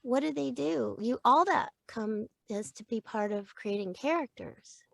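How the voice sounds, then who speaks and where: Lively, chatty middle-aged woman. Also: on the high side, a little slow, vocal fry, dry recording. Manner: lively, chatty, laughs easily. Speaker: voice actor and acting coach. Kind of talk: casual interview chat.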